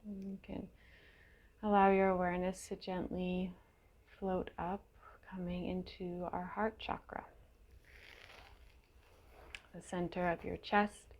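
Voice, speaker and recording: A meditation guide leads a slow, soothing guided meditation in a creaky, lowish voice with an even tone. She speaks gently and without hurry, leaving long pauses between short phrases. The recording sounds muffled.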